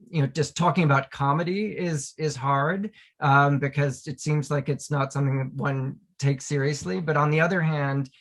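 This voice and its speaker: A male academic panelist talking conversationally, haltingly, often repeating words as he searches for the next phrase. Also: fairly high pitch, a bit bright.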